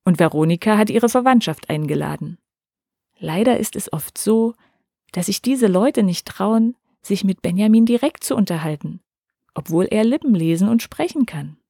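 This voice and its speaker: A woman narrating a story in a gentle, expressive reading voice, lightly voicing the characters. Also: medium pitch, normal speed, gravelly, slightly rough, no room sound, clean studio sound. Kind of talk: scripted storytelling for children.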